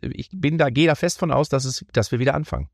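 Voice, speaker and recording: A middle-aged man, a comedian guesting on a podcast, telling anecdotes in a lively, casual way and dropping into playful put-on voices. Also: mid-range voice, fast talker, creaky, no echo, studio quality. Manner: animated storyteller slipping into mock Italian and English voices.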